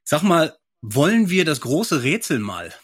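A man's voice: a little high, big pitch swings, unhurried, breathy edge, no echo, clean studio sound. A man co-hosting a podcast, chatting casually in an articulate, discursive way. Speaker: podcast co-host. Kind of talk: casual conversational audio drama discussion.

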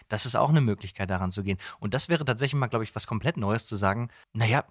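A male podcast guest with a slightly deep voice, talking in an easygoing, agreeable way. He explains his trade casually, recorded very dry and close. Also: fast, no room sound. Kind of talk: casual explanatory interview chat.

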